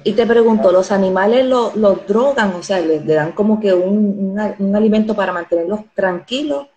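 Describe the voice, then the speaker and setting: A woman's voice: mid-range voice, moderate pace, warm tone. A woman hosting a live stream, asking questions and passing on viewers' comments over a phone video call. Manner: inquisitive, reads out viewer questions. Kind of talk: casual live-stream interview.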